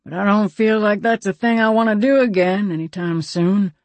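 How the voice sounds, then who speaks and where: A woman's voice: mid-range voice, normal speed, a little mellow, no echo, voice pushed up, close to an everyday voice. A woman doing Slim, a drawling talking gun. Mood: wry. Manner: drawling Western folksy talk. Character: talking male six-gun, folksy and wry.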